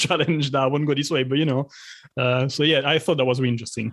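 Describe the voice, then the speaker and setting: A man with a French accent, a fairly high pitch, fairly even intonation and a very fast pace. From southern France. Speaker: podcast guest. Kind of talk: interview storytelling.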